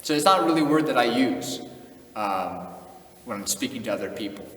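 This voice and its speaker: Chuckling and relaxed, a young American chats casually on his video channel, dropping Afrikaans phrases here and there. His mid-range voice is expressive, fairly quick and bright; the mic is distant, and the echoey room carries faint noise.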